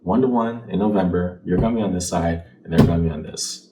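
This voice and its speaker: Deep-voiced man reading tarot, slightly distant. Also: fast. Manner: conversational, checks in with "right?". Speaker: tarot card reader. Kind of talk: casual fortune-teller card reading to viewer. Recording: distant mic, faint background noise.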